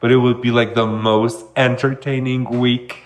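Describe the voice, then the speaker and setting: Young man from Kosovo, mid-pitched, friendly rambling podcast talk. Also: flat delivery, normal speed, a little hiss or hum. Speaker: podcast co-host. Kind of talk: casual chat.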